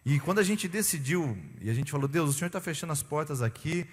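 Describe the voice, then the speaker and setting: A male pastor delivers a sermon with an animated, sing-song delivery, slipping into playful voices for the people in his examples. His voice sits a little high and swings widely in pitch. A long church reverb trails behind every phrase. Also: fast. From Brazil. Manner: animated, acts out voices of beachgoers.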